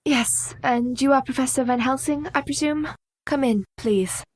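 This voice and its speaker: Capable young wife, devoted and formal, voiced by a woman, slightly high voice, radio play. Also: unhurried, darkish tone. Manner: polite, earnest, formal speech.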